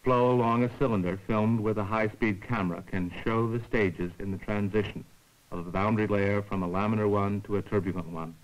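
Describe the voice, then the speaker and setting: A man giving formal, measured scripted narration for an educational science film, explaining carefully like a lecturer. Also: fairly low pitch, steady tone, dull audio.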